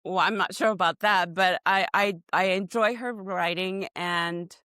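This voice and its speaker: A woman's voice: on the low side, fairly even intonation, unhurried, sharp tone, no room sound, clean studio sound. Effusive woman host, Japanese native speaker. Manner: effusive, giggly. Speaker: podcast host. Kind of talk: friendly interview hosting.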